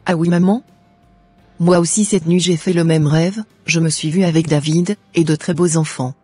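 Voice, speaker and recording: A woman's voice: lowish voice, fairly even intonation, normal speed, mellow, slightly rough, no echo, soft background music. A woman voicing a devout, earnest young Christian woman in a cartoon, speaking in a pious way. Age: young adult.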